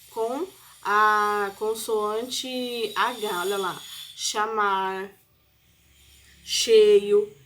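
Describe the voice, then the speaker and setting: A Brazilian woman teaches a spelling lesson at an unhurried pace, her voice sitting at an ordinary middle pitch. She leans on each example word, stretching it out patiently for her pupils. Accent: Brazilian Portuguese. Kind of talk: recorded classroom lesson.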